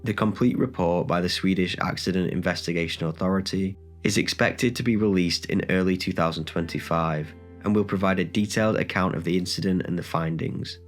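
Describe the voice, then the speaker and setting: A man with a bad cold, reading a scripted documentary narration in a measured, even way as the channel's host. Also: low voice, soft background music.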